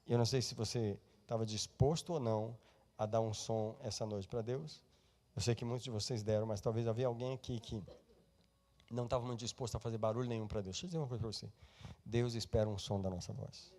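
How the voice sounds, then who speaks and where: A male pastor preaching a sermon in a church, moving between soft, intimate talk and loud exhortation. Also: fairly low pitch, steady tone, fast.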